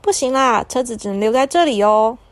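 A woman voicing a kind young woman in a white robe who gently explains rules to children in a bedtime story. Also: a little high, expressive, brisk, dry recording, lightly acted. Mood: gently explaining. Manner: soft, explaining, coaxing.

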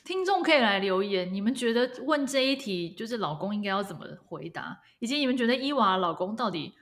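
A woman's voice: medium pitch, expressive, a little fast, a bit bright. A woman in her thirties with a Taiwanese Mandarin accent, co-hosting a casual podcast chat who reacts with teasing exclamations. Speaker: podcast co-host.

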